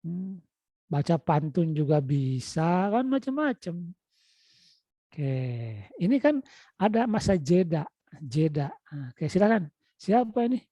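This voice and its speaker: A man's voice: sits high, big pitch swings, measured pace, pauses often, mellow, dry recording. A man with a Sundanese-influenced Indonesian accent teaching an online class, coaxing and repeatedly calling out to his students. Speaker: lecturer. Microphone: video call. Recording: dull lo-fi video call audio.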